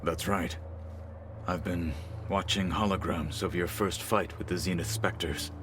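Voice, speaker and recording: A man's voice: sits low, fairly even intonation, unhurried, background noise. A man playing a stern, battle-minded tribal warrior in a video game, formal and terse. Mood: grave. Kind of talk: video game cutscene acting.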